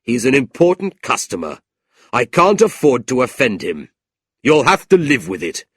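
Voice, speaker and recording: A man voicing a cold, greedy middle-aged moneylender who speaks slowly and curtly. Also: medium pitch, sing-song, a bit bright, breathy edge, no echo, clean studio sound, pitched above the performer's own voice. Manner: slow, curt, dismissive.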